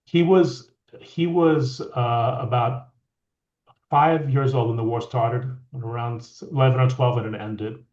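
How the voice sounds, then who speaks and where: A middle-aged man from France, a guest leadership coach, talking in a reflective, halting way with many restarts. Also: medium pitch, fairly even intonation, darkish tone. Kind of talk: conversational interview. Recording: echoey, dull lo-fi audio.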